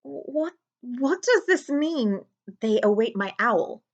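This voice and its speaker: A woman's voice: fairly high pitch, lively intonation, slow, voice pushed up, heavily acted. A woman voicing a timid, puzzled young boy from a storybook, hesitant and stammering, full of questions. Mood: bewildered.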